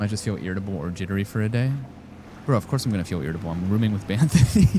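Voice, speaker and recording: A man's fairly low, somewhat breathy voice, dark and mellow in tone, with lively intonation and a very fast pace. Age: 30s. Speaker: video game streamer. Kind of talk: casual live-stream chat while gaming. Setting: live stream, talking to chat. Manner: animated.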